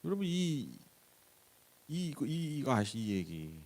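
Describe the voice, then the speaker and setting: A male pastor giving a conversational Bible-study sermon, swinging from loud emphatic lines to soft hushed ones, with chuckles and frank asides. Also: on the high side, very animated, a little slow. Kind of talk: Wednesday Bible exposition sermon. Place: church.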